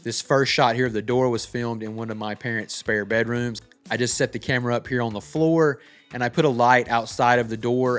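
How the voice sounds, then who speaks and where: A man's voice: mid-range voice, fairly bright tone. Brief: male filmmaker presenting a casual behind-the-scenes breakdown, mid-range voice, faint music underneath. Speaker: filmmaker presenting a breakdown of their own short film. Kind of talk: casual tutorial talk. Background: background music.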